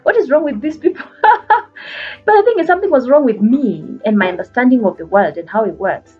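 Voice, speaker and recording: Kenyan female life coach, husky, earnest, repeats herself, lo-fi recording. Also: fairly high pitch, lively intonation, normal speed, soft background music. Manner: earnest, repeats phrases for emphasis, frequent fillers. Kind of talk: motivational talk.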